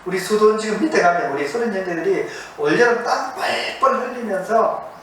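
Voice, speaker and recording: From a monastery, a man preaches to an audience, questioning them and repeating key words for emphasis. His high voice is animated, a bit bright, and a little fast, captured by a distant mic in a very echoey space with faint noise.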